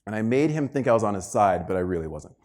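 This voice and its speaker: Male keynote speaker, motivational storyteller, highly animated pitch, emphatic delivery, slips into acted-out dialogue. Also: fast talker. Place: live talk before an audience.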